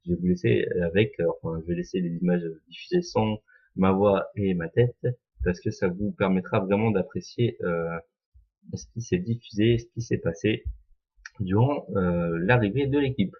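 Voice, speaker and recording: Hesitant, husky young man hosting a vlog. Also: sits low, highs cut off. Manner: hesitant, full of "euh" pauses. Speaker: vlog host. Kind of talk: casual film commentary.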